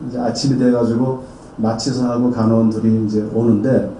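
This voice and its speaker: A man's voice: mid-range voice, little pitch movement, moderate pace, mellow, a little hiss or hum. A male pastor giving a dramatic sermon testimony and acting out the voices of the people in his story. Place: church hall. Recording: roomy, distant sound with faint ambience.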